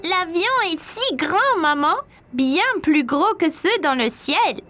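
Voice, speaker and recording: A woman voicing a curious, excitable four-year-old boy in a French-dubbed children's cartoon, full of eager questions. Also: extremely high pitch, takes it slowly, music in the background, exaggerated voice. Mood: excited. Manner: eager, wide-eyed questions.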